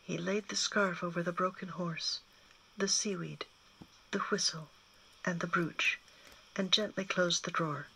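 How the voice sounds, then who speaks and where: A woman reads a children's novel aloud with expressive storytelling. Her low-pitched voice is husky yet bright, and it moves up and down with the story. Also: unhurried, pauses often, rough recording. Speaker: guest reader.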